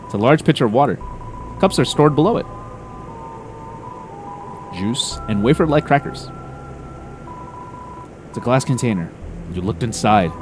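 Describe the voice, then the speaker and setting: A man giving casual commentary while streaming a game, laughing, swearing and reading on-screen text aloud. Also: lowish voice.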